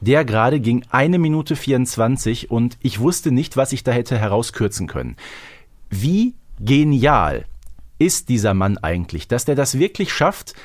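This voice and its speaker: Emphatic male podcast host, mid-pitched. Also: sing-song, a little slow, darkish tone. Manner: emphatic, effusive. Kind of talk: enthusiastic fan discussion.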